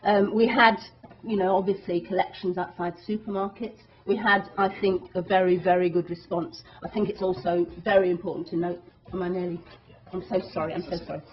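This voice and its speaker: A woman's voice: fairly low pitch, fairly even intonation, brisk, slight background noise. A woman activist giving a public talk to an audience, speaking earnestly and emphatically, with many restarts. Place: meeting hall. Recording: dull lo-fi talk recording.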